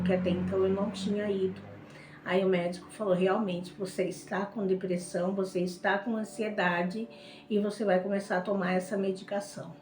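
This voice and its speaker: A woman's voice: medium pitch, darkish tone, echoey room, a little hiss or hum, low-quality recording. A middle-aged woman with a Brazilian Portuguese accent, telling her faith testimony in an emotional, repetitive way and often turning to her listeners. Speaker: testimony speaker.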